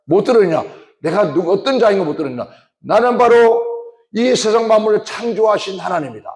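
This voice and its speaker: A preacher voicing a stern, scolding God. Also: male voice, high voice, expressive, a little mellow, pitched above the performer's own voice. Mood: commanding. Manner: scolding with rapid rhetorical questions. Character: stern almighty God rebuking his people. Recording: roomy church sound.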